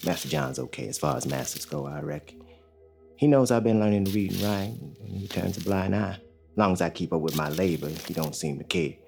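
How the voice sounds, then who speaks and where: An actor in an audio drama playing a young enslaved father who talks in a calm, plainspoken drawl. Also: low voice, brisk, vocal fry, faint music behind. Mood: steady. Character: young enslaved male father, steady and hopeful.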